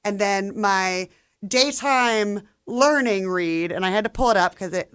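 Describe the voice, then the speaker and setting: A woman's voice: medium pitch, measured pace, a bit bright, clean tone, no room sound, studio quality. A woman co-hosting a podcast, talking through her reading in an earnest, explanatory way. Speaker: podcast co-host. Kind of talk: casual book chat.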